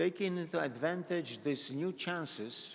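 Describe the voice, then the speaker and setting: With a Polish accent, a man speaks at a fairly slow pace with ordinary pitch variation. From Poland. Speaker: economist. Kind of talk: panel speech. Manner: halting, with self-corrections.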